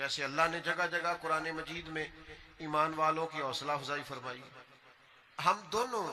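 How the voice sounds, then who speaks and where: A man speaks at a fairly high pitch with ordinary pitch variation over noticeable background noise. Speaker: Islamic preacher. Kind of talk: Islamic sermon (bayan). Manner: emotional, earnest, preaching.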